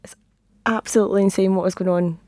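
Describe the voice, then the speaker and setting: A woman with a croaky, husky voice, giving her opinions as a guest on a football podcast in a studio. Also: medium pitch, animated, a little fast, a little mellow, no echo. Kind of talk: lively opinionated football discussion.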